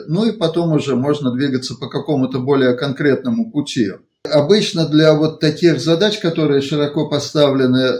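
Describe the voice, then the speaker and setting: Male consultant, medium pitch, conversational and reflective of experience, halting, digressive phrasing with frequent rewording. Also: a little mellow. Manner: halting, digressive, reformulates as he goes. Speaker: engineering consultant. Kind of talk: conversational account of work experience.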